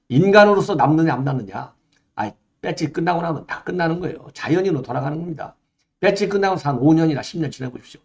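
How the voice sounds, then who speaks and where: A man's voice: mid-range voice, a little mellow. An older man hosting solo political commentary, emphatic, with rhetorical questions and frequent filler affirmations. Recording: dull lo-fi sound.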